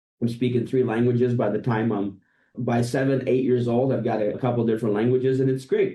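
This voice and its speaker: The speaker is a man talking at a very fast pace. His intonation stays fairly even. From Canada. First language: Romanian. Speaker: entrepreneur. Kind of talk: interview.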